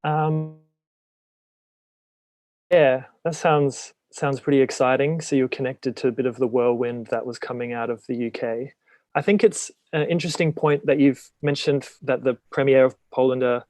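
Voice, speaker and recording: Male host, level monotone, dry close mic, steady with fillers. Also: medium pitch, moderate pace, no room sound. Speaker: interview host. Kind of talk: hosting a live-streamed video-call interview. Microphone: video call.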